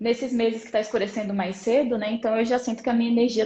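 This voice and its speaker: A woman speaks with monotone, flat intonation. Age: 20s. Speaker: course student. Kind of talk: mentoring conversation on a live stream.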